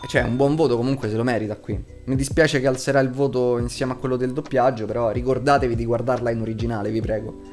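A man's voice: mid-range voice, fairly even intonation, fast, few pauses. Blunt young man reviewing, music behind. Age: 20s. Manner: blunt, foul-mouthed, emphatic. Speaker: video reviewer. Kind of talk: casual opinionated review to camera. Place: small room at home, indoors.

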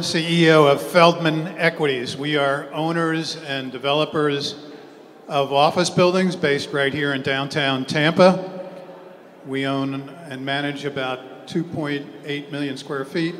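Middle-aged guy from new york on a panel, higher voice, big roomy hall. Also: steady tone, normal speed, a bit bright, slight background noise. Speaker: real estate developer, panelist. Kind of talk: conference panel talk. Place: large conference hall. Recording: echoey conference hall.

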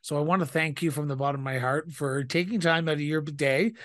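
Podcast host, 40s, from Canada, slightly higher voice, dead-dry studio sound, earnest sign-off energy. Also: male voice, a little fast, fairly bright tone, dry recording. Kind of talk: podcast interview and outro. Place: small studio indoors. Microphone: studio mic on stand with headphones.

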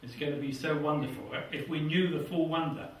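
Older British male preacher, fervent, drops to a hush at phrase ends; distant, very reverberant hall. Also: a little high, fairly even intonation, fairly quick, a little hiss or hum. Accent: British English. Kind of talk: sermon with scripture reading. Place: small church hall with seated congregation. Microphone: lapel mic. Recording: echoey hall, somewhat far from mic.

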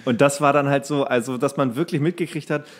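A man's voice: medium pitch, fast. A male podcast co-host speaks in a middle register. His delivery is informal, like loose conversation between anecdotes and questions. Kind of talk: casual chat, anecdotes and questions.

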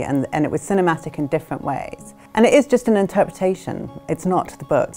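A middle-aged woman author talking thoughtfully about a film adaptation, with frequent restarts and soft hesitations. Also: sits low, vocal fry. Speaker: author discussing her novel's film adaptation. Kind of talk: reflective interview talk. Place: studio with plain backdrop.

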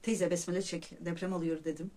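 A woman's voice: lowish voice, fairly even intonation, a little fast, dark tone. Earnest woman vlogger telling her dreams. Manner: earnest, often addresses listeners as friends; reflective storytelling with pious phrases. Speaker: vlogger sharing dreams and religious reflections. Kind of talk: casual personal monologue to viewers.

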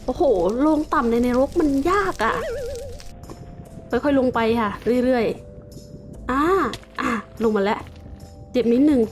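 A woman's voice: sits high, slow pace, pauses often, soft background music. A Thai woman playing Minecraft and commenting as she goes, mixing playful mock-villain taunts with polite explanations of the game. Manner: polite sentence endings, explains game facts. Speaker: gaming YouTuber.

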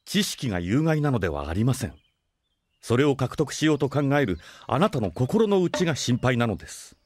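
A man playing a gentle, worried older brother in an audio drama, lecturing with formal politeness. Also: medium pitch, very animated, moderate pace, husky, dry recording. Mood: concerned, reproving. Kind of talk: Japanese audio drama acting.

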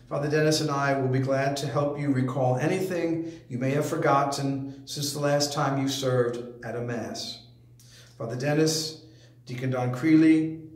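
An older man, a priest, gently reading a letter and giving parish announcements with frequent ums and uhs, filmed chest-up in a small indoor space. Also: mid-range voice. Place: small indoor chapel space before a brick wall. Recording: very echoey room.

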